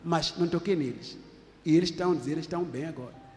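A male apostle preaching and demonstrating healing before a congregation, talking emphatically and repeating himself, sometimes rising to shouts. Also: fairly high pitch, quick pace, faint music behind. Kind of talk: sermon with live healing demonstration. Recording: echoey hall with faint noise.

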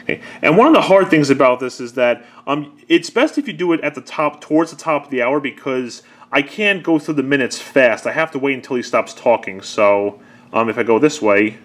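A man gives a casual, unscripted walkthrough at a middling pitch. He explains each step conversationally, as if showing a gadget to viewers at home. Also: lively intonation, brisk, a bit bright. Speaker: presenter demonstrating an old answering machine. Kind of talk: casual unscripted product demonstration.

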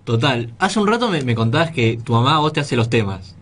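A man with a mid-pitched voice hosts a casual interview. He asks relaxed questions and answers his guest with short agreeing replies. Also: fairly quick. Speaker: interviewer, host.

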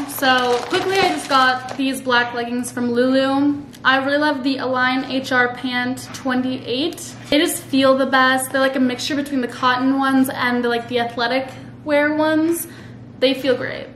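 A bubbly young woman with a high, bright voice chats away to her camera about the presents she's wrapping, dropping "like" into nearly every sentence. The sound is roomy and echoey, with a steady noise bed behind her in a living room. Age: young adult. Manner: bubbly, chatty, lots of "like" fillers. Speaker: vlogger. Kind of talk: casual chat to camera. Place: living room at home, indoors. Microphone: camera across a table.

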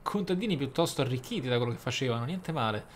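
A man's voice: mid-range voice, lively intonation, quick pace, a little hiss or hum. A man giving casual gameplay commentary in a theatrical way, with flowery wording and exclamations. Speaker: gaming video host. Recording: music behind the voice. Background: game music.

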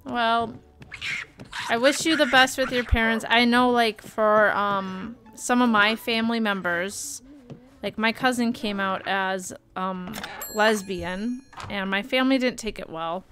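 A bubbly young woman chats over her gameplay with a gushing, chatty manner. Her voice is bright and a little high, and her pace stays slow and unhurried. Soft music plays underneath. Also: low-quality recording. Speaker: game streamer. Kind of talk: casual gameplay commentary.

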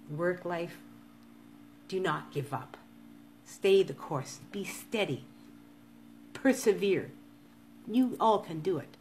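Woman in her fifties, low voice, live-stream vlogger, earnest motivational tone, repeats herself. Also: slight background noise. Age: 50s. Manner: earnest, repetitive motivational urging. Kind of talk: casual live-stream monologue to viewers.

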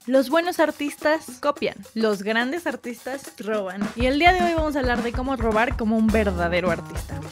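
A woman's voice: fairly high pitch, normal speed, hardly any pauses, over music. Chatty young Mexican woman vlogging. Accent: Mexican Spanish. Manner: chatty, animated, talks with her hands, uses slang. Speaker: book YouTuber. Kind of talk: casual book-review vlog to camera. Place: small home room with colored lights. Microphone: studio desk microphone in front of her.

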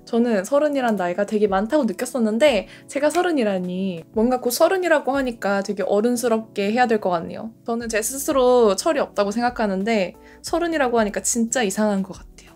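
Chatty high-voiced woman in her late twenties. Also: expressive, fairly quick, hardly any pauses, darkish tone, faint music behind. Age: late 20s. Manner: chatty, gushing about products. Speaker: beauty creator. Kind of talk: casual skincare vlog talk. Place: bedroom in front of a door.

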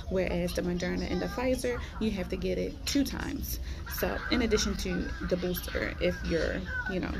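A woman's voice: medium pitch, vocal fry. A woman in her thirties talking informally to her phone at arm's length in a casual vlog. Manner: informal, conversational. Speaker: vlogger. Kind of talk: casual storytime vlog chat. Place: small spaces: pharmacy corner, then parked car. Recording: music behind the voice.

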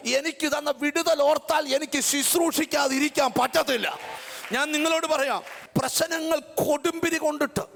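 A middle-aged woman preacher with a very high, gravelly voice, swinging from storytelling into sudden shouted cries. Each line rings out with a long echo in a big church hall. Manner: dramatic storytelling, bursts into shouts, peppered with amens and hallelujahs. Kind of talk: fiery revival sermon.

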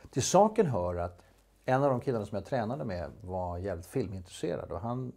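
A man's voice: on the low side, very animated, gravelly, dark tone. En man, skådespelare, som berättar avslappnat i en intervju, tvekande med många utfyllnadsljud och omstarter. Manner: hesitant, many fillers and restarts. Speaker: interview guest, actor. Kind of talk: casual storytelling interview.

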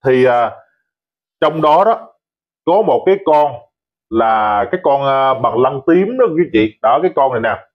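A man's voice: mid-range voice, lively intonation, unhurried, muffled recording. A man giving a heated, mocking commentary monologue, scolding and insulting his critics. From Vietnam. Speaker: online commentator.

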